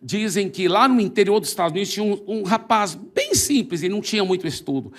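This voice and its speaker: Animated high-voiced Brazilian preacher man. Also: quick pace. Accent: Brazilian Portuguese. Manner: animated, acts out dialogue in the story. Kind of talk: sermon storytelling.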